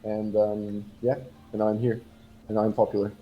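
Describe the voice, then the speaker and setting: A man from Portugal chatting casually as a livestream guest, halting and rambling but blunt in how he talks. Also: on the low side, little pitch movement, dull audio, slight background noise.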